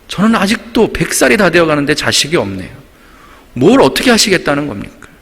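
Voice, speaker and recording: A man's voice: on the high side, very animated, a little fast, fairly bright tone, husky, in a large hall, full character voice. A man voicing a blunt aging man who complains he is still childless, firing pointed questions. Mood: grumbling.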